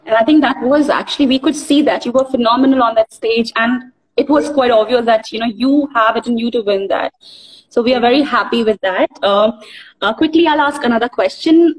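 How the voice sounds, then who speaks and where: A woman's voice: on the high side, a little fast, poor audio. A woman hosting an interview over a video call, asking questions with hesitant "uh" fillers. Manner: brief affirmations, hesitant "uh" fillers. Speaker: interview host. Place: indoors.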